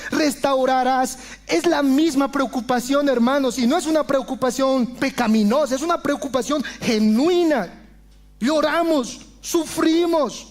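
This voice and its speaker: A pastor preaches with passion in his church, his voice pitched unusually high for a man. He keeps turning to his listeners as brothers, swinging between urgent pleading and quiet earnest explanation. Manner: impassioned preaching, often addressing the congregation as brothers. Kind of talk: sermon.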